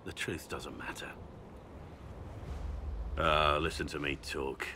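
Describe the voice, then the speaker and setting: An actor playing a grim, loyal middle-aged warrior in a fantasy game, solemn and intense. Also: male voice, a bass voice, flat delivery, slow, sharp tone, slight background noise, full character voice. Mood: solemn, earnest. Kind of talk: fantasy video game acting.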